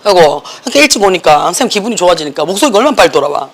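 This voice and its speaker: Hoarse middle-aged teacher with a Gyeongsang accent. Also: mid-range voice, racing. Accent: Gyeongsang Korean. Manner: animated, joking, mixing English words into Korean. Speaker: English academy teacher. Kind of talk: classroom lecture. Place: classroom.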